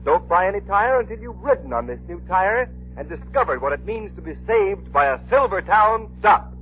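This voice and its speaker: A man's voice: high voice, animated, moderate pace, a little hiss or hum. A man announcing and reading a persuasive commercial in 1930s radio style. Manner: persuasive, emphatic. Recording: tinny 1930s radio recording.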